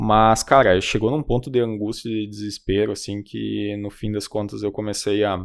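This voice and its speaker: A man with a fairly low pitch talks in a monotone, flat intonation on a very clean recording with a silent background. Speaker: solo podcaster. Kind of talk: personal monologue. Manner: halting, many fillers and repetitions.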